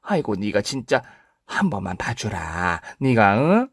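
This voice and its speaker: A man's voice: lowish voice, big pitch swings, a little slow, vocal fry, breathy edge, no echo, heavily acted. A man voicing a two-faced older mother-in-law who wheedles and sighs in a dialect-tinged drawl. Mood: coaxing.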